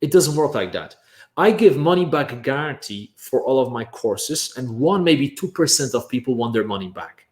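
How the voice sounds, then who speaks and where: A man from Poland, Polish his first language, giving an energetic online workshop on making courses, stressing points with "right?" and repeated "bam". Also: mid-range voice, moderate pace, roomy sound.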